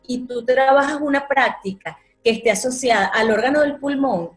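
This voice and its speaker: A woman, a yoga teacher calmly explaining her practice in an interview. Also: high voice, moderate pace, soft background music. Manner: calm, explanatory, repeats words for emphasis. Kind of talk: interview answer.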